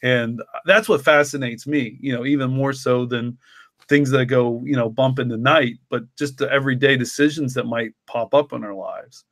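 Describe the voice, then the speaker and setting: A man's voice: mid-range voice, moderate pace, a bit bright, dry recording. A man in a casual podcast discussion, explaining things in a rambling way and often leaning on "you know.". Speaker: story writer and podcast co-creator.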